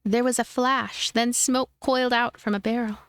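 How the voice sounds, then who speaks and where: A woman's voice: a little high, steady tone, normal speed, noisy background. A woman narrating a visual novel as a let's play host, reading the story expressively. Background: background music.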